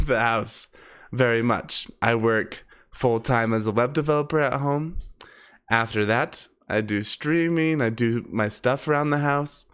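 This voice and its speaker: Sick with a cold, a man chats casually with his live stream viewers in a slightly congested, sniffly voice. His pitch is medium, a bit bright, with a clean tone.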